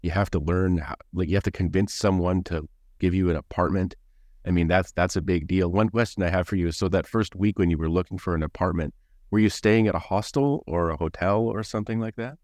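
Deep-voiced male interviewer, halting. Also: darkish tone, no room sound, studio quality. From English-speaking country. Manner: halting, many restarts and fillers. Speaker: podcast host, interviewer. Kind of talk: casual interview chat.

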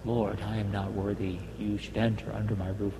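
A priest with a fairly low voice recites the prayers of the Mass in a measured, solemn way. His words echo long through the cathedral, and a faint hum runs underneath. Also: little pitch movement. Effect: cathedral echo, long reverb. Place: large church.

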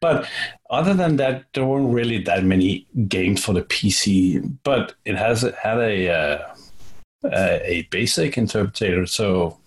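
A middle-aged man from Denmark, a native Danish speaker with a Danish accent, answering interview questions in a relaxed, thoughtful way. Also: lowish voice, unhurried. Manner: relaxed, thoughtful, with fillers and repeats. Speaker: guest, author and software business partner.

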